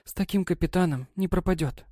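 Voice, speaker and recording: A man voicing a gentle, loving wife of a sea captain in an audiobook, speaking softly and coaxingly. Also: sits high, a little fast, no room sound, clean studio sound, voice pushed up. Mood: tender. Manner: soft, tender and coaxing. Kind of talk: audiobook character voice.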